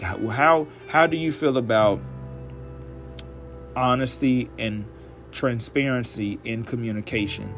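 A hoarse man hosting his own podcast, talking straight to his listeners in a loose, chatty monologue. His speech is blunt and laced with swearing, and he stretches words out for emphasis. Faint music plays under his voice. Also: mid-range voice. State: hoarse, dry throat. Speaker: podcast host. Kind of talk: casual solo podcast monologue.

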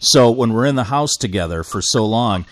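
A man on a phone speakerphone from his living room, his voice breaking up over a bad connection as he talks in halting, restarting sentences. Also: mid-range voice, expressive. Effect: choppy speakerphone call breaking up. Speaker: co-host. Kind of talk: casual podcast chat.

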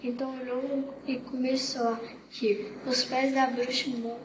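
A woman reading a children's book aloud, halting often with slips and restarts, in an echoey room with background noise. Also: sits high, little pitch movement.

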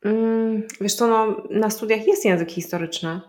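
A woman talks through ideas in a relaxed interview, explaining patiently and pausing on fillers as she thinks. Her voice sits at an ordinary mid pitch. The sound carries a noticeable room echo. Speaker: polyglot guest. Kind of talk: casual interview conversation.

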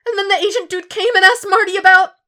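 A woman's voice: fairly even intonation, fast talker. A woman voicing a terrified young male thug, babbling and pleading tearfully for his life in an audiobook-style reading. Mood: desperate. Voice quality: tearful, high, loud whining.

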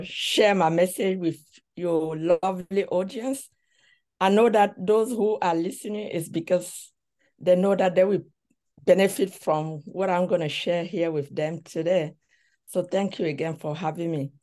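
A middle-aged woman from Cameroon, a relationship coach, telling her story as an interview guest in a thoughtful way with many pauses. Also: fairly low pitch, darkish tone. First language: a language of Cameroon. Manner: slow, thoughtful storytelling with frequent pauses and fillers.

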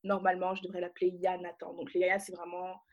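A woman's voice: lowish voice, monotone, fast talker, dull audio. A young woman from France co-hosting a podcast, explaining things casually with lots of fillers and slang. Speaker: podcast co-host. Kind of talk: casual chat.

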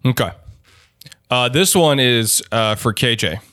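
Deadpan male podcast co-host. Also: mid-range voice, no echo, studio quality. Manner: deadpan, repeats himself, halting restarts. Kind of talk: casual comedic podcast banter.

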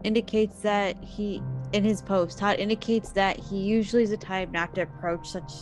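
A woman's voice: medium pitch, fairly even intonation, moderate pace, soft background music. A woman hosting a podcast, telling a story in a casual way and breaking off for chatty personal asides. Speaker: podcast host.

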